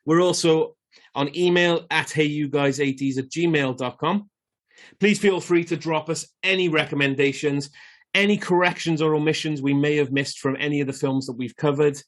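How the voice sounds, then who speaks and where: A man co-hosting a casual film podcast over a remote call, quick to laugh and reading out the show's details. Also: on the high side, fairly even intonation. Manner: laughs easily, reads out show details. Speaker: podcast co-host.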